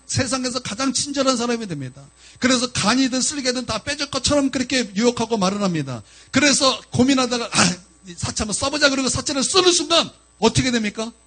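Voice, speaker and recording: A man's voice: very high voice, a bit bright. A man preaching a sermon as a pastor, emphatic and often turning to the congregation directly.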